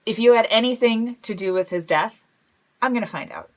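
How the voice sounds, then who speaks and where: A woman's voice: fairly high pitch, fairly quick, natural voice. A woman playing a wry, rambling lone radio broadcaster in a comedy audio drama, awkward and self-deprecating. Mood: grave, threatening.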